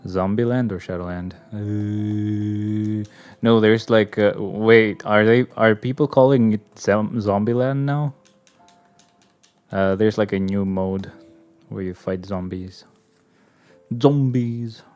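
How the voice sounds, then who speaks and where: A man's voice: on the low side, fairly even intonation, slow pace, darkish tone, clean tone, soft background music. A man streaming a game, chatting casually and muttering and swearing at what happens on screen. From Albania. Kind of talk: casual gameplay chat.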